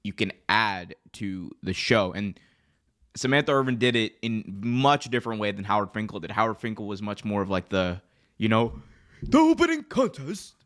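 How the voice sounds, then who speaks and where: Lower-pitched man hosting casual wrestling talk. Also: normal speed, a bit bright. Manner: loose, frequent "like" and "you know". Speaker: host of a wrestling news show. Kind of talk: casual discussion and news commentary.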